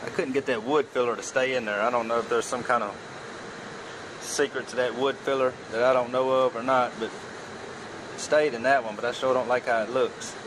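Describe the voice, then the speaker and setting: Man, hobby woodworker, rambling and self-deprecating, phone-recorded outdoors over loud air-conditioner hum. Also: medium pitch, steady tone, normal speed. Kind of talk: casual workshop narration.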